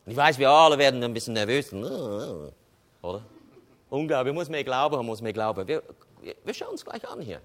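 A man's voice: mid-range voice, sing-song, normal speed. A man preaching a sermon in a conversational way, often checking in with the congregation. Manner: conversational preaching, tags with "oder?".

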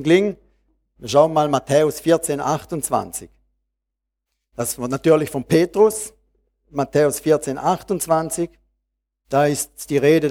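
A man preaching a sermon, reading Bible verses slowly and then speaking freely and directly to his congregation. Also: on the high side, darkish tone.

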